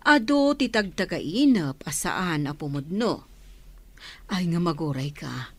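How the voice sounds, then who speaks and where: A woman's voice: lowish voice, expressive, slow pace, breathy edge, dry recording, heavily acted. A practical, teasing radio-drama mother. Her voice rises and falls with plenty of life as she pokes holes in her daughter's daydream. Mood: skeptical.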